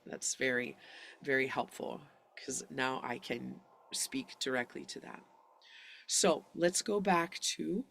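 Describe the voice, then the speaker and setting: Woman, singing teacher, live online lesson, unhurried, soothing guidance. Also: low voice, vocal fry. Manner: gentle, encouraging, guides breathing.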